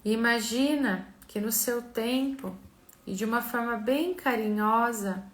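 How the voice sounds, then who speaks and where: A Brazilian woman leads a guided relaxation and visualization in a slow, gentle, soothing manner with long pauses. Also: fairly high pitch. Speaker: mentor and therapist leading a live session. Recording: echoey room sound.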